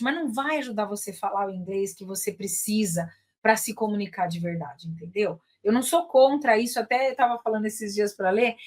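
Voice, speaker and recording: A woman with a Brazilian Portuguese accent, an English teacher chatting casually with viewers, full of tag questions and switching into English phrases. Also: on the high side.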